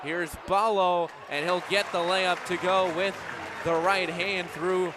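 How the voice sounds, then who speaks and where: A man's voice: high voice, fairly even intonation, takes it slowly. A young American man calling live sports as a radio play-by-play broadcaster. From United States. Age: young adult. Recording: live game broadcast, crowd noise behind. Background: crowd and game noise.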